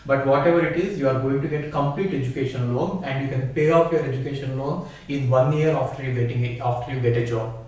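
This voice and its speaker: Heavy room echo surrounds an Indian man speaking at some distance from the microphone. He makes an informal sales pitch to students in a medium-pitched voice, going through his points like a list. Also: fast, hardly any pauses, a little mellow. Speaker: study-abroad consultancy promoter.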